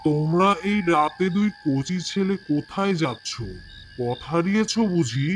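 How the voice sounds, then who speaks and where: A man voicing a menacing evil jinn posing as an old cleric in a horror cartoon, with drawn-out threats and cackles. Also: a little high, expressive, slight background noise. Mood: sinister coaxing. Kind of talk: animated horror cartoon acting.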